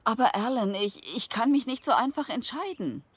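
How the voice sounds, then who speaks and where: A woman's voice: fairly high pitch, sing-song, normal speed, breathy edge. An actress in a dubbed sitcom playing a moody, jealous, demanding girlfriend with a dramatic manner. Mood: contrite, wavering. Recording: very noisy sound with clicks.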